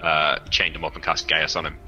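A man's voice: extremely low pitch, completely flat delivery, a little fast, sharp tone, lo-fi sound, soft background music. A British man playing in a livestreamed tabletop game, chatting casually, swearing freely and stumbling over his words. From United Kingdom. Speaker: player.

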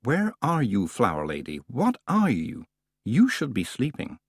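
A man's voice: mid-range voice, wildly swooping pitch, a little slow, husky, no room sound, studio quality, full character voice. A man voicing a faint, cold winter spirit. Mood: eerie.

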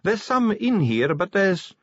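A man's voice: sits high, big pitch swings, slow pace, no echo, lo-fi sound, voice pushed up, exaggerated voice. A man voicing an eager, insistent young woman who is a vampire constable.

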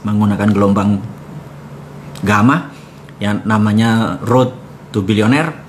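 A low-voiced man hosts a live talk, speaking directly to his listeners in a conversational, storytelling manner. He gets animated when he acts out conversations. A faint hum of noise sits behind him. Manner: conversational storyteller addressing the audience; animated when reenacting dialogue. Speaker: host of a live economics talk.

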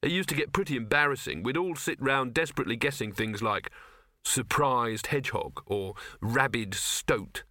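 A man's voice: mid-range voice, moderate pace, bright, forceful tone, no echo, clean studio sound, close to an everyday voice. A man voicing a polite, wary young student in a storybook, with an unimpressed, questioning manner.

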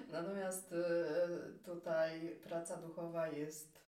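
A woman's voice: on the low side, fairly even intonation, very slow, dark tone, recorded from a distance. A woman guest who runs a fashion business, talking casually and hesitantly with many fillers. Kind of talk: casual conversational interview. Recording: roomy echo, speaker off-mic.

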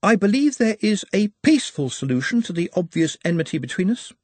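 Here is a gentle-mannered orc, all formal courtesy and exact reckoning, speaking a touch higher than the teller's usual voice, as a man puts him on. The tone stays slightly husky and close, with no room around it. He sounds calmly menacing. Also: brisk, dry recording, exaggerated voice. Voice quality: formal, polite, pedantic phrasing. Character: courteous, precise male orc, menacingly calm.

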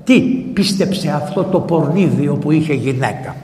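A man, a priest, giving a sermon in a church and retelling a story in lively, colloquial language. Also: a little high, faint music behind. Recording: echoey church with long reverb.

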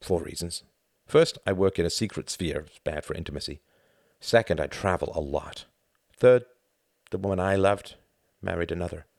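Older German man, secretive and weary, read by a man narrator; low voice, grave and measured, dry close sound. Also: expressive, creaky, no echo.

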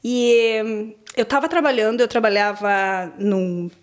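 A Brazilian woman in her thirties tells her story with lively, exclamatory energy. Her voice sits on the higher side and carries a Brazilian Portuguese accent. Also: a little slow. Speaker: exchange agent, podcast guest. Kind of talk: casual podcast interview.

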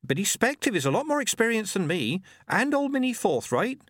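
A man's voice: high-pitched, wildly swooping pitch, normal speed, pushed and bright, slightly rough, dry recording, clean studio sound, voice pushed up, heavily acted. A man voicing a young, eager village witch and midwife, chatty and flustered.

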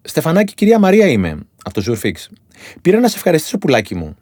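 A man's voice: a little high, wildly swooping pitch, a little mellow, dry recording, clean studio sound, pitched above the performer's own voice. A man voicing a fond, grateful elderly woman while telling his story.

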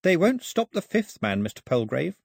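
Guy doing a proper brave young girl, high voice, polite but wont back down, storybook. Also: sing-song, moderate pace, vocal fry, no room sound, clean studio sound, full character voice. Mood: coolly defiant. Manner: polite, precise, composed. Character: brave, proper, well-spoken young girl, defiant under threat.

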